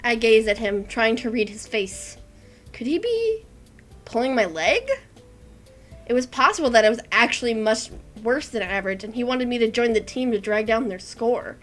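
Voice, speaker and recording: A woman's voice: fairly high pitch, lively intonation, moderate pace, soft background music. A woman hosting a game video, reading the story aloud and scolding her co-host. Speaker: let's-play host. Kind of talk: reading a visual novel aloud.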